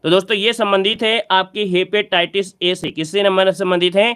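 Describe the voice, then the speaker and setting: Guy tutoring exam prep, high clear voice, keeps asking and repeating the answers. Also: steady tone, normal speed, a bit bright. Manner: repetitive, quizzing the viewer and repeating key answers. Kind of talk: exam practice lesson.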